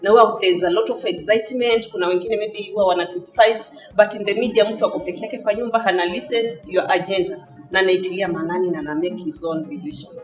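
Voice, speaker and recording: A woman's voice: mid-range voice, steady tone, fast talker. A woman with a Kenyan accent answering in an interview, slipping between two languages. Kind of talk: interview, mixing Swahili and English. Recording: distant mic, roomy echo, faint music.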